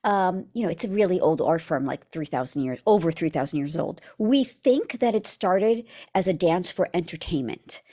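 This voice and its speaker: A woman's voice: lowish voice, animated, dark tone. Earnest woman guest explaining her dance. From United States. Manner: earnest and explanatory, with quick laughs and occasional fillers. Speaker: belly dance instructor, guest. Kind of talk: casual interview chat.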